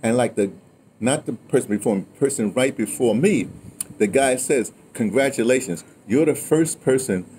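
Animated older American man telling stories. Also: mid-range voice, moderate pace. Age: 60s. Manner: animated, digressive storyteller. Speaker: host of an audio memoir channel. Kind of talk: casual storytelling chat. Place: outdoors on a patio in daylight. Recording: outdoor ambient noise.

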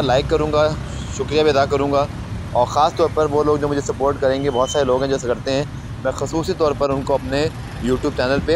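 A man's voice: mid-range voice, noisy background. A man with a Pakistani Urdu accent, talking casually and eagerly to his viewers as a sports journalist vlogger, often calling them janab. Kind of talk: casual commentary over outdoor footage.

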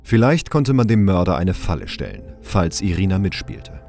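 A man narrating a sci-fi crime audio drama in a measured, serious, scripted storytelling style. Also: deep voice, huge pitch swings, a little mellow, heavily acted. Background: music.

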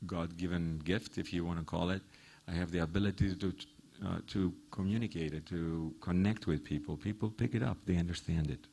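A man's voice: low-pitched, steady tone, fairly quick, vocal fry, few pauses, slightly rough. A middle-aged man being interviewed on a small theater stage, speaking earnestly into a handheld microphone before a live audience. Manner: earnest, warm encouragement, laughs easily. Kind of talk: onstage conversation and audience Q&A.

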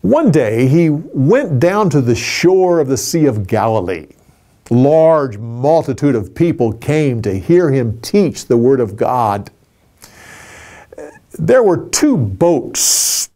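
A man in his sixties telling a Bible story from memory in a studio, animated and expressive, with small restarts. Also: medium pitch. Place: indoor studio with a curtain backdrop.

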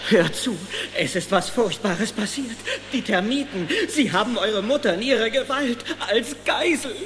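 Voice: medium pitch, expressive, normal speed, noisy background, lightly acted. An actor as a resolute woodworm leader, echoing. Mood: urgent, worried. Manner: commanding, dramatic. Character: resolute leader of a woodworm band, dramatic, urgent. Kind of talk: German children's audio drama acting. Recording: long reverb with music behind.

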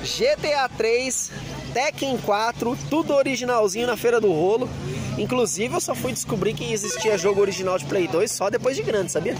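A man, vlogging loudly and excitedly with slang as he haggles with vendors. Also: very high voice, normal speed. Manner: loud, slangy, hyped, teasing vendors. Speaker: vlogger and game collector. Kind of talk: excited street-market vlog. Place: busy outdoor flea market. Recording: loud crowd and music behind.

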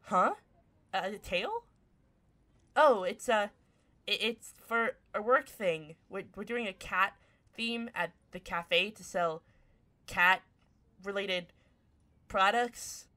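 A woman's voice: medium pitch, slow pace, pauses often, bright, forceful tone. A voice actress playing a grumpy tsundere young woman turned half cat, snappy, sarcastic and easily flustered, in a one-sided ASMR roleplay. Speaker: voice actor.

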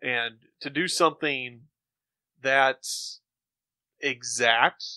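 A man on a podcast giving his opinions in a measured, conversational way. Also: medium pitch, bright, forceful tone, dry recording, low-quality recording. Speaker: podcast co-host. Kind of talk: casual chat, giving opinions.

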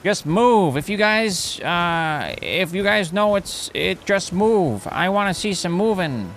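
A man putting on a goofy, high-pitched hype-man voice with drawn-out words. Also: very animated, a bit bright, slight background noise, exaggerated voice. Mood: hyped.

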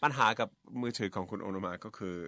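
A man's voice: fairly low pitch, fast talker, pushed and bright. A man co-hosting a casual bilingual radio chat, patiently explaining words and spelling them out letter by letter. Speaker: radio co-host teaching English.

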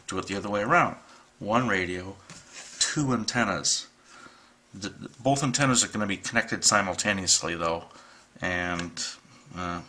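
A middle-aged man chats loosely about radio gear from his home radio room, full of ums and restarts. His fairly low voice has a bright, forward edge. A faint hiss sits under the desk-mic recording. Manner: relaxed, hesitant with many ums and restarts. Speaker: radio hobbyist demonstrating gear. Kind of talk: casual how-to video.

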